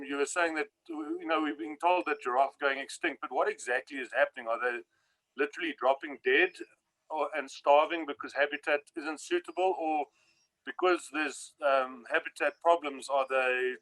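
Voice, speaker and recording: A man's voice: a little high, fairly bright tone, low-quality recording. A man in the audience asking several rambling questions during a Q&A over a video call.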